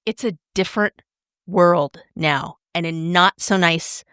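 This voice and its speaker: A woman in her fifties, co-hosting a podcast, telling stories in an animated way and acting out quotes. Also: lowish voice, slow pace, smooth, no room sound, clean studio sound. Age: 50s. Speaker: podcast co-host. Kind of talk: casual chat, storytelling.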